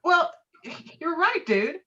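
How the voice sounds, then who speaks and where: A woman playing a brash, bossy, hot-headed man in a script table read, forceful and emphatic. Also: very high voice, big pitch swings, takes it slowly, dull audio, full character voice. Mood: smug, insistent. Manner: forceful, emphatic, repeating himself.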